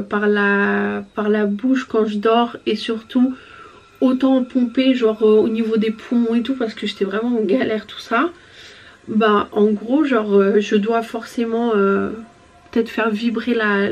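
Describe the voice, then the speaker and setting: A young woman, chatting casually while she gets ready, rambling with many fillers, her voice a bit hoarse after being ill. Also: on the high side, darkish tone. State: slightly hoarse voice after illness. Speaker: vlogger.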